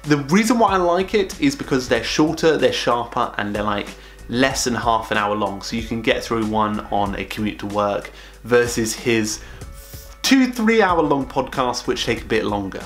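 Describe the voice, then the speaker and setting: Young male vlogger, casual and upbeat, close camera mic in a small room, soft music bed. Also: moderate pace. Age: young adult. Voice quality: calls his own voice monotone. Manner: chatty, upbeat, lifts pitch at each new item. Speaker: productivity vlogger. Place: small home office, indoors. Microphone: camera close up at desk.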